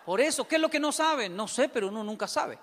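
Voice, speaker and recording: Colombian man, lively storyteller acting out dialogues, high voice, long hall reverb. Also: fast talker, a faint crowd. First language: Spanish. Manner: animated storytelling, acts out both sides of dialogues. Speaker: speaker. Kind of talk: humorous talk to an audience.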